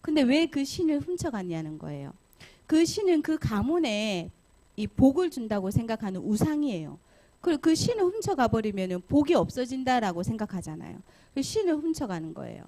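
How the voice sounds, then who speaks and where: A woman's voice: a little high, fairly quick. A middle-aged woman, a pastor's wife, telling a Bible story to a Sunday school class and asking the children questions. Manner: animated, asks the children questions.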